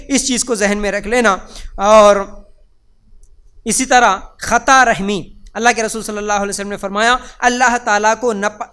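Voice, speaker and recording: Man giving a sermon, really high voice, keeps repeating himself and asking questions. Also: fairly bright tone, smooth. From India. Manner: emphatic and repetitive, with rhetorical questions. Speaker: preacher. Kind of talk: religious lecture.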